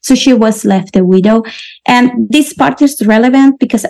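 Woman in her thirties, gravelly fry, warm dark tone, earnest reflective storytelling. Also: a little high, normal speed, rough recording. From Venezuela. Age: 30s. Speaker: interview guest. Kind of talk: personal storytelling interview.

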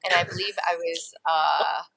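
A woman's voice: lowish voice, fairly even intonation, normal speed, vocal fry, fairly bright tone, low-quality recording. A woman guest on a podcast interview, chatting about her career with frequent laughs and fillers. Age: adult, career of over two decades. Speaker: podcast guest, actress and TV host. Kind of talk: casual interview chat.

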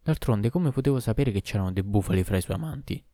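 A man's voice: deep voice, little pitch movement, moderate pace, dark tone, dry recording, studio quality, close to an everyday voice. A man reading aloud who voices a terrified hunchbacked man, speaking in a fearful, pleading way. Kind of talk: audiobook reading.

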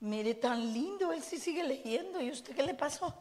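A woman pastor preaches a sermon, her voice set a little high. She keeps putting questions to the congregation. Her voice rings through a hall with a long, trailing reverb. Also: expressive, moderate pace, a little mellow. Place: church hall.

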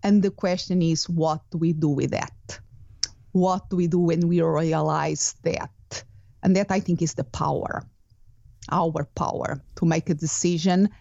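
A woman with a Portuguese accent speaks as an interview guest, her voice low and mellow. She picks her words carefully and often restarts her phrases. The remote audio sounds slightly muffled. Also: steady tone, unhurried, creaky, no echo. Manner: thoughtful, with restarts and non-native grammar. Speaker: guest, business coach. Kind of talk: casual interview talk.

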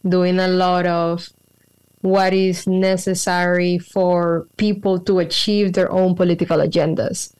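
A woman's voice: lowish voice, dark tone. A woman, telling her story as an interview guest over a video call, thoughtful and earnest with fillers. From Colombia. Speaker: guest, spiritual practitioner. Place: home room with a cat.

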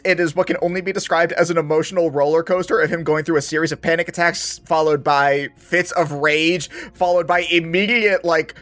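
A man's voice: a little high, a bit bright. A man narrating a tabletop role-playing game as game master, in an easygoing way that often breaks into laughter.

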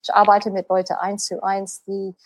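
A native English speaker in her late forties, a sales and positioning coach, talks conversationally in German with an American accent as an interview guest. Her mid-range voice is monotone at a moderate pace, and she uses learner's grammar and slips into English phrases.

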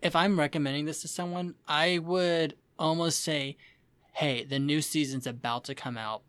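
A man's voice: on the high side, fairly even intonation, moderate pace, fairly bright tone, smooth, no room sound. A man whose first language is Dutch, co-hosting a podcast in an easygoing, rambling chat full of fillers. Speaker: podcast co-host.

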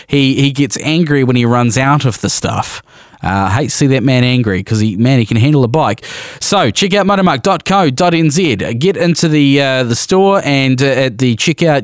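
A man's voice: medium pitch, dry recording. Man, New Zealand accent, podcast host, chatty sponsor plugs, dry close sound. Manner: chatty, upbeat, lots of uh fillers. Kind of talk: casual chat with sponsor reads.

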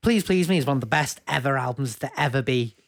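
A man's voice: medium pitch, quick pace, gravelly, no room sound. A man co-hosting a podcast in casual banter, playful and opinionated. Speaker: podcast co-host.

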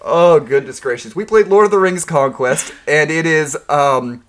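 A man's voice: a little high, normal speed, a bit bright. A man co-hosting a casual gaming podcast, rambling and restarting his sentences. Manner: rambling, frequent restarts and fillers. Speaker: podcast co-host.

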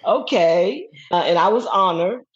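A middle-aged woman telling a personal story as a guest, lively and laughing often as she acts out what others said. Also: on the low side, a little slow, slightly rough. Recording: dull lo-fi recording.

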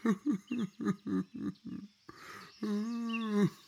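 A woman doing a gravelly mournful old Englishman. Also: mid-range voice, steady tone, drawn-out words, mellow, exaggerated voice. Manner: tearful, laughing sadly. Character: mournful older English man, self-pitying.

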